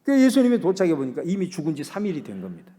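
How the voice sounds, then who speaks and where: A male pastor delivering a dramatic sermon, swinging between loud proclamation and hushed, quiet speech. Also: a little high, wildly swooping pitch, rapid-fire, long reverb tail.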